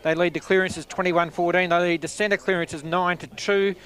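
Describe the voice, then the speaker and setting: A man reading out match statistics in a steady, list-like way, with a few fillers. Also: sits high, moderate pace. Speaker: stats man.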